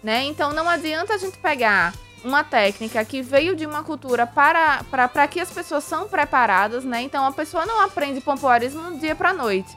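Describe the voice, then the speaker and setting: Brazilian lady on radio, high pitched n bright, chatty explainer, bit of music behind. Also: lively intonation, a little fast, hardly any pauses. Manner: didactic, chatty, frequent tag questions and diminutives. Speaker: pelvic physiotherapy expert guest. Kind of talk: radio interview, explaining an exercise step by step.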